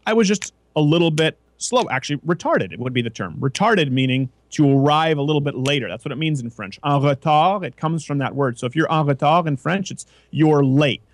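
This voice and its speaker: A man's voice: a little high, lively intonation, brisk, hardly any pauses, dry recording. Opinionated male talk radio host. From Canada. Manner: opinionated, talks in long run-on explanations with restarts. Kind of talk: casual radio talk show chat.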